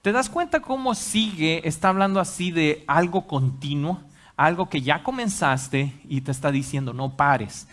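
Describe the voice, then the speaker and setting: A preacher delivers a lively sermon in a church before a congregation. The voice sits in a middling pitch, and the delivery is animated, with quoted voices acted out and frequent questions to the listeners. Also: moderate pace. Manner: animated, acts out quotes, asks the audience questions.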